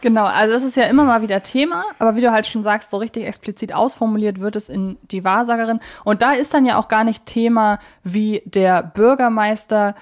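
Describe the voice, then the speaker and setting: Woman, podcast co-host, medium pitch, conversational, casual discussion, emphatic phrasing. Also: brisk, few pauses.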